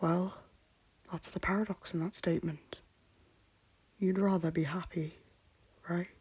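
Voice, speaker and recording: Breathy, anxious young prince, played by a woman. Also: fairly low pitch, fairly even intonation, unhurried, poor audio. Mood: wistful. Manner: earnest, swinging from hushed to urgent. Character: anxious, loyal young prince, protective of friends. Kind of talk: intimate audio drama acting.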